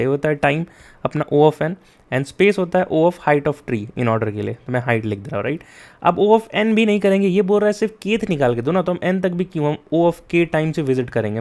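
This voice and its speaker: A young man, a coding tutor, giving a casual spoken lesson. He talks to his students directly, checks in with them often, and explains slowly and deliberately. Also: on the high side, darkish tone. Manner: mixes Hindi and English, chatty with frequent "yaar" and "theek hai?"; addresses students directly and urges them to take notes.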